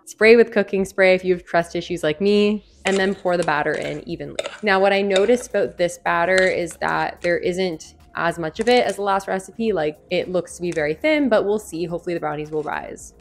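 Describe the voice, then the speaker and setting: A young adult woman with a lowish voice hosts recipe reviews as a food vlogger, speaking briskly with few pauses. She keeps it casual and informal, frequently using "like" as filler.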